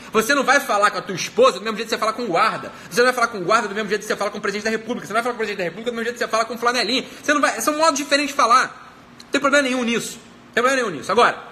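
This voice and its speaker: A man's voice: sits high, bright, forceful tone, slight background noise. A Brazilian man, a psychiatrist, giving a motivational self-help talk in a blunt, profane way and repeating his points for emphasis. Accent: Brazilian Portuguese.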